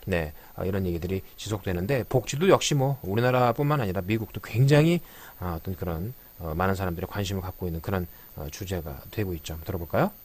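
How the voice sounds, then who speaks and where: A man teaching English pronunciation in a lecture, explaining patiently, slowly repeating phrases to show stress, with frequent short fillers. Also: deep voice, breathy edge. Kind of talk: spoken language lecture.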